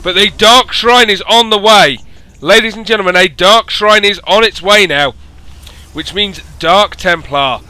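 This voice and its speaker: Hoarse man casting a game. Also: high-pitched, unhurried. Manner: rises to excited announcing at big moments. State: losing his voice. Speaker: esports caster and show host. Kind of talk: solo game commentary.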